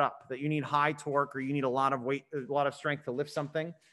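Speaking at a fairly quick pace, a man with a Midwestern American accent has a bright, sharp tone. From US Midwest (Ohio). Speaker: instructor. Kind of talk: lecture. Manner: casual, conversational.

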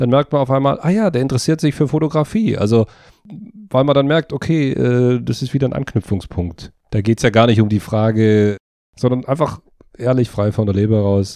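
The man's dark, mellow voice holds a very even loudness throughout. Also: medium pitch for a man, ordinary pitch variation, fairly quick pace. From southern Germany. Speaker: team manager who hires staff. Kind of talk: casual interview. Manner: hesitant with fillers.

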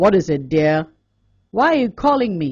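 A gruff, put-on character voice at a middle pitch, with very wide pitch swings and a moderate pace.

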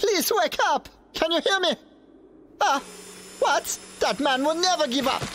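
In a cartoonish character voice, the speaker goes at a fairly slow pace with a high pitch. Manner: timid, tearful, then defiant.

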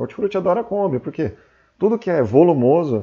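A man speaks with a Brazilian accent. The background is quiet. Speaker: YouTuber on transport business. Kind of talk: casual vlog talk to camera. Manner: animated. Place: home room. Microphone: earbuds.

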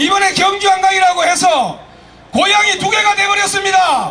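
Over light background noise, a raised, projected voice speaks at a moderate pace with fairly even intonation. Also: man. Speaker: election candidate and lawyer; election candidate. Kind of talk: campaign stump speech. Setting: outdoor market rally with crowd. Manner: loud, rousing. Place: street.

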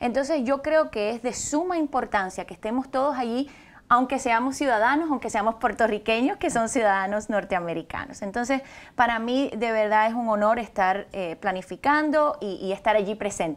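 Her fairly high pitch and lively intonation carry this woman's speech along at a moderate pace. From Cuba. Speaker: immigration lawyer. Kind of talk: TV interview. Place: studio. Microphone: lapel.

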